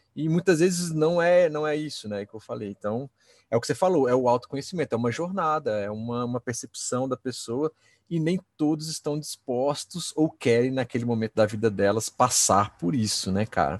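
Against a quiet background, a man with a plain, everyday voice and medium pitch speaks at a moderate pace with lively intonation, the sound dry and close with no echo. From Brazil, Minas Gerais. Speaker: Ayurveda therapist and podcaster. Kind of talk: casual interview. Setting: live stream on video platforms.

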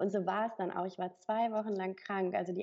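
A dark, mellow tone colors a woman's voice as its pitch varies in an ordinary way. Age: 30s. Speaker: former smoker, client of a quit-smoking program. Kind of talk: interview.

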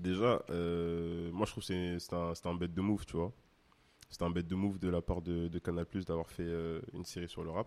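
Very deep, low male voice with monotone, flat intonation and long, frequent pauses. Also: moderate pace. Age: 20s. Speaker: music media founder and writer. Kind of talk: casual interview.

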